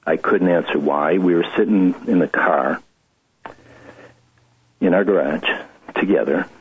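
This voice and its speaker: Middle-aged male guest, deep and husky, earnest halting testimony over a tinny phone-like line. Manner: earnest, halting confessional storytelling. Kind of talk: personal testimony interview.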